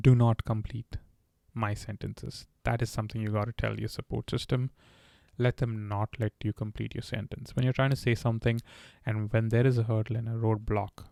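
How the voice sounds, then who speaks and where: A man talks earnestly through his advice, now and then catching on a word and restarting. His voice has a gravelly, fry-edged texture and stays level in pitch, with little rise or fall. The sound is close and dry, with no room around it. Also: a little mellow, no echo. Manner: earnest, advice-giving, occasional stammers and restarts. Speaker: podcast host. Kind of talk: candid solo podcast talk.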